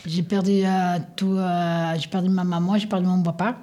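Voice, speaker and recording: Fields: older Portuguese-accented woman, soft low voice. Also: flat delivery, moderate pace. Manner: short hesitant answers. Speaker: nursing home resident. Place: nursing home.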